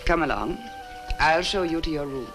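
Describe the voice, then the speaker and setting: An actress playing a sinister woman innkeeper in a 1960s horror film, speaking formally and with measured courtesy. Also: sits low, animated, music in the background. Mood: cool, formal. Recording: noisy old film soundtrack.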